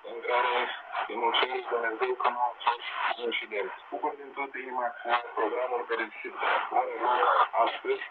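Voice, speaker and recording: A man delivers a formal speech at an average pitch. The shortwave signal is phone-thin and buried in loud static. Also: narrow, tinny audio. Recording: thin, very noisy shortwave radio reception.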